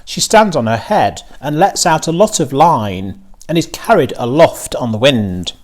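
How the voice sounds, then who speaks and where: Storybook young farm girl, played by a man: imaginative, stubborn, earnest, excitable, unhurried with very lively intonation. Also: medium pitch, voice pushed up. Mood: insistent, eager.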